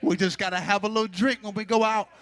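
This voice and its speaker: A man's voice: high voice, fairly even intonation, fast, a bit bright, no echo. A man preaching a sermon into a pulpit microphone, building fervor and teasing the congregation to respond.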